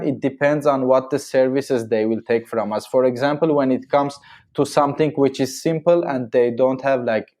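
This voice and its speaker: A man's voice: mid-range voice, a little mellow. A man from Syria speaking non-native English, answering in a podcast interview with many fillers and restarts. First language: Armenian and Arabic. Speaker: marketing agency owner, guest.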